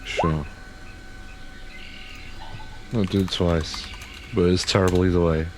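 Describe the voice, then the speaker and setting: Very low-voiced male tabletop player. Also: fairly even intonation, takes it slowly, background noise. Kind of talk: casual chat.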